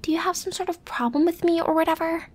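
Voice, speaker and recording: A woman playing a bossy, defensive but secretly affectionate young roommate in an ASMR roleplay, huffy with breathy whispered asides. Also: very high-pitched, fairly even intonation, fast, darkish tone. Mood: exasperated, defensive.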